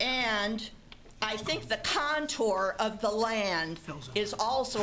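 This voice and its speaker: A woman with a fairly high pitch and ordinary pitch variation speaks in a space with audible room echo. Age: 60s. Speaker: public commenter. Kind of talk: public comment at a meeting. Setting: public meeting hall.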